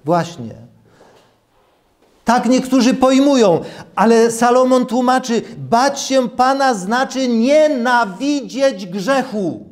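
A man in his sixties preaching a sermon and reading scripture in a deliberate, emphatic way, repeating key phrases. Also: very high-pitched, animated. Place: small church room, at a lectern.

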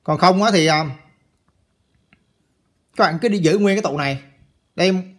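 A man's voice: sits high, normal speed, a bit bright. A man giving a casual hands-on electronics repair tutorial, chatty and repeating phrases as he talks to viewers.

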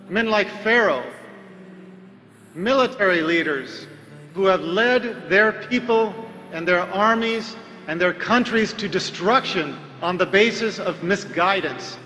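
A man giving a deliberate, emphatic religious lecture full of rhetorical questions. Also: high-pitched, sharp tone, big-room sound. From United States. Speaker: Islamic preacher.

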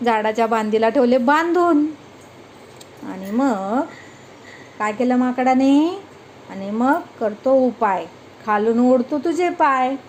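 Slow, high-voiced woman teacher. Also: slight background noise. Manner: slow recitation, then lively questions to children. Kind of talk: reading a poem and explaining it to children.

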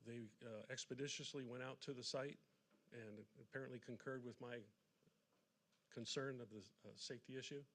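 Male public commenter, medium pitch, deliberate and halting, plainly formal. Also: fairly even intonation, a bit bright. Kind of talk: public remarks in a formal but plain register. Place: city council meeting room, at public podium.

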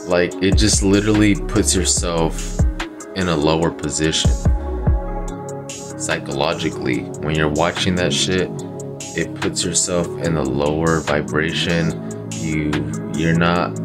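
A young man in his twenties hosting a casual self-improvement vlog from a small bedroom, talking into a close phone camera in a loose, rambling way full of "you know" and slang. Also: a bass voice. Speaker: channel host.

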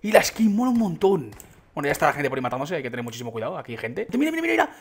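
Excitable young Spanish gamer man. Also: husky. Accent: Spain Spanish. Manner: excitable, exclaiming, quick shifts in pitch. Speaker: gaming YouTuber. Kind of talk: excited gameplay commentary.

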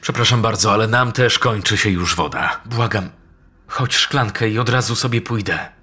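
Brief: frightened young woman pleading, acted by a male narrator, husky edge, audiobook. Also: on the low side, moderate pace, pushed and bright, voice pushed up. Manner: pleading, shaken. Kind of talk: audiobook character voice.

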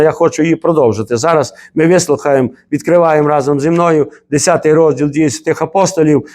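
A man's voice: on the high side, darkish tone. Fervent Ukrainian-speaking male pastor preaching. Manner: preacherly, rising to emphatic repeated exhortations. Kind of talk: sermon.

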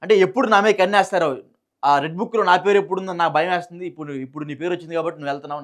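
A man's voice: high voice, fairly bright tone. A man with a Telugu accent giving informal political news commentary, repeating phrases for emphasis and asking rhetorical questions.

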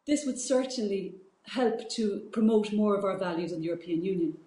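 Over a video call from an indoor office, a middle-aged Irish woman who is a regional representative and teacher delivers a formal, earnest political speech she has prepared. Her voice is mellow and mid-range at a normal pace, and the room sounds echoey through the call link.

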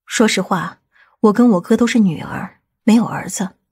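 A woman playing a composed, authoritative middle-aged aunt in audiobook drama dialogue, speaking in a measured way. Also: medium pitch, a little mellow, breathy edge. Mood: gentle, reflective.

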